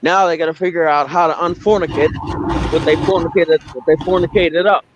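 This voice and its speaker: A man's voice: on the high side, steady tone, brisk, noisy background. A man co-hosting a live-stream chat who makes blunt, colorful rants. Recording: slightly dull lo-fi sound.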